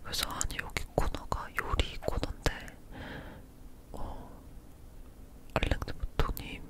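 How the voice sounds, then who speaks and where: Whispering, the speaker goes at a very slow pace with long, frequent pauses. Noticeable background noise can be heard. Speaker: ASMR creator. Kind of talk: book reading ASMR. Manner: whispered.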